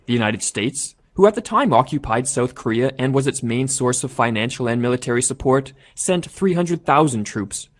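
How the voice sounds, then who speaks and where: Man, scripted essay narration, measured, formal. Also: medium pitch, expressive.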